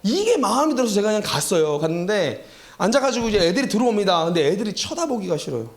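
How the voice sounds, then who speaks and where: A man's voice: high-pitched, fast. A man preaching a revival sermon as pastor, telling a personal story and asking the congregation questions. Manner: animated, acts out quoted voices, rhetorical questions to congregation.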